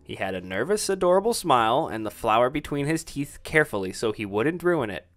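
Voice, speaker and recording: A man narrates a fan fiction story as a dramatic reading. His mid-pitched voice moves up and down a lot, over a bed of music. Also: sing-song, brisk, a bit bright.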